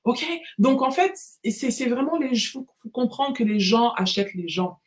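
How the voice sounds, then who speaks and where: A French woman, a life coach, giving a lively, animated motivational talk on a live stream and mixing English phrases into her speech. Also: fairly high pitch, moderate pace. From France. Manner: lively, repeats words, mixes in English phrases.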